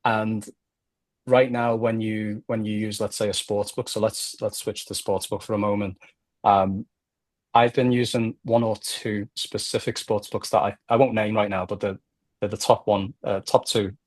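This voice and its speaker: With a low-leaning voice and flat delivery, this Liverpudlian speaks at a measured pace in a dry recording. He's explaining things conversationally on a podcast, regularly tossing in "right?" to check that listeners follow.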